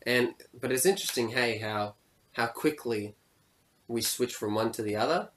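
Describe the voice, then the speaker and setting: A young man hosting a casual podcast discussion, upbeat and quick to laugh, often acting out reactions. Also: medium pitch, fairly bright tone. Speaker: podcast host.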